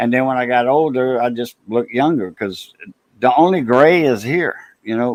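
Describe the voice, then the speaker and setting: A man with a plain, everyday voice speaks at a moderate pace and medium pitch with ordinary pitch variation. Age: 60s. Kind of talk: casual chat.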